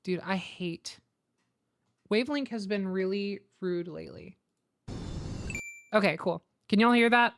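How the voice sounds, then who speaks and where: A woman hosts a casual livestream in a medium-pitched voice. She talks informally and thinks aloud as she goes, close to the mic. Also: a little slow, long pauses. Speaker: streamer and host.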